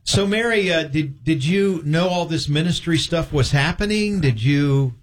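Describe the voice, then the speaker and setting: A man's voice: a little high, a little slow. An older man hosting a Christian talk show, chatty, laughing easily and stammering over restarts. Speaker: host.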